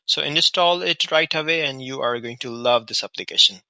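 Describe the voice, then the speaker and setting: Guiding viewers step by step through an app, a tutorial host and app reviewer speaks with a South Asian accent, his first language being Hindi or Urdu. His delivery is brisk and casual, full of repetition and check-ins, and his middle-pitched voice is bright, sharp, and creaky in a dry, close recording.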